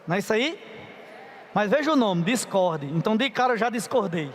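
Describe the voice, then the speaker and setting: Guy preaching at a youth conference, pretty high voice, long echo in a big hall. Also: animated, fairly quick, slight background noise. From Paraíba, Brazil. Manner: chatty, playful, asks the audience for help. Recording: reverberant hall.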